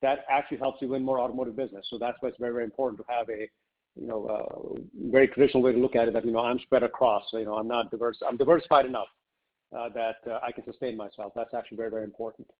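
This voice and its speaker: Male executive on a shareholder call, brisk and conversational, unscripted, with mildly lo-fi sound. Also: mid-range voice, steady tone. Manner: conversational, often says "you know" and "right". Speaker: company executive answering shareholder questions. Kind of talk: unscripted Q&A on an investor conference call. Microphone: conference call line. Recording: slightly muffled conference call audio.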